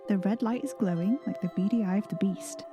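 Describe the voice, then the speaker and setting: An actress playing a wry, apologetic radio presenter of a psychic advice show, speaking in formal, wordy sentences. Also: female voice, mid-range voice, fairly quick, music in the background, natural voice. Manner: formal, wordy, self-deprecating. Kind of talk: fictional radio show monologue.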